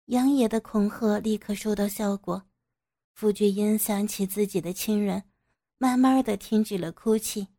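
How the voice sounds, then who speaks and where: Mellow-voiced woman narrating a story. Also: mid-range voice, fairly even intonation, moderate pace. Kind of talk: scripted audio story narration.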